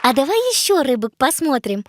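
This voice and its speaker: A woman's voice: high voice, big pitch swings, brisk, a little hiss or hum. A woman playing a curious, dreamy girl guide who eagerly asks questions in a children's educational cartoon. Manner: inquisitive, eager.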